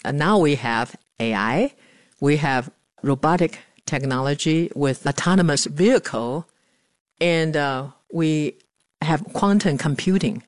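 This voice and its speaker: A woman in her seventies from Taiwan, talking earnestly about her life in a news feature interview with pauses and fillers. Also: sits low, no echo, studio quality. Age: 70s. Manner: earnest, plain-spoken, with frequent pauses and fillers. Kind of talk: personal interview monologue.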